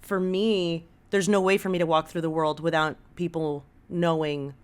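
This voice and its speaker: A woman's voice: sits low, level tone, normal speed, smooth. A woman with an American accent talking casually and earnestly in an interview, often checking that the listener follows. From Los Angeles, United States. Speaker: podcast guest, audio drama writer. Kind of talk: casual conversational interview talk.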